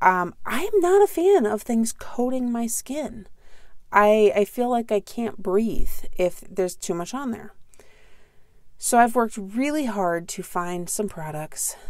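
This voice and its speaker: Against a quiet background, a woman talks at a fairly slow pace with big swings in loudness, the sound dry with no echo. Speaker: beauty vlogger. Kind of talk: casual vlog chat. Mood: relaxed, a bit self-reflective. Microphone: phone near.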